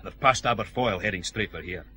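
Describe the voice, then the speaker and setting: A man's voice: fairly low pitch, quick pace, bright, forceful tone. An actor playing a weary male Glasgow detective inspector in a radio drama, making dry, grumbling remarks in a Scottish accent.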